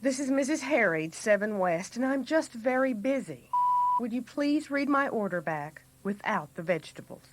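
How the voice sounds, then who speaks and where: A woman's voice: on the high side, lively intonation, normal speed. A woman playing a harried, irritated ward nurse in a training-film phone skit.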